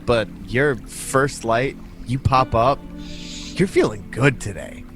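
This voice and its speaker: Slow-talking man running a tabletop game. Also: mid-range voice, a bit bright, soft background music. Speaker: game master.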